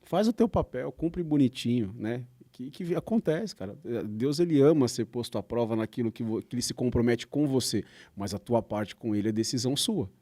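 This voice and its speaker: A man's voice: medium pitch, expressive, normal speed, few pauses, mellow, no echo, clean studio sound. A man on a church podcast giving encouraging, preacherly advice in a casual tone. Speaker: podcast guest.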